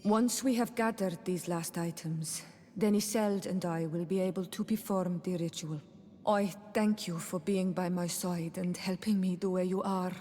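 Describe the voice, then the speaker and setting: A woman's voice: lowish voice, fairly even intonation, normal speed, warm tone, long reverb tail, natural voice. An actress voicing a solemn, devoted young female tribal healer in a video game, with earnest, careful, slightly formal delivery. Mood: solemn, grateful.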